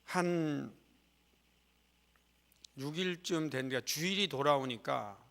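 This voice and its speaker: A man's voice: fairly high pitch, slow, gravelly, fairly bright tone. A middle-aged male guest preacher telling a personal story in a folksy, humorous, conversational sermon style. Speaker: guest preacher at a revival meeting. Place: church sanctuary. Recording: long reverb of a church sanctuary.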